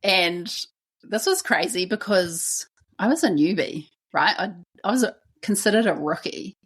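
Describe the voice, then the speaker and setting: A woman's voice: lowish voice, animated, a little slow, breathy edge. A young woman from New Zealand with a New Zealand accent, hosting a podcast and telling her own story in a chatty way, often adding "like" and "right?". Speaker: podcast host.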